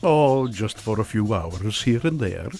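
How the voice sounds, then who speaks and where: An actor playing a blasé, retired older mad scientist with a dry, teasing manner in a comedy radio play. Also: male voice, fairly low pitch, animated, measured pace, vocal fry, darkish tone, slight background noise. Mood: dry nonchalance. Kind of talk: comedic radio drama acting. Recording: music behind the voice.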